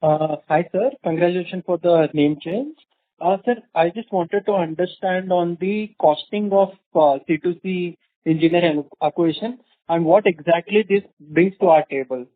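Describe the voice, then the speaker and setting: High-pitched Indian male caller, thin phone audio. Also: normal speed, no room sound. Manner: deferential, hesitant. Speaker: analyst caller asking questions. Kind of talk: unscripted question and answer. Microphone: telephone. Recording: dry tinny phone line.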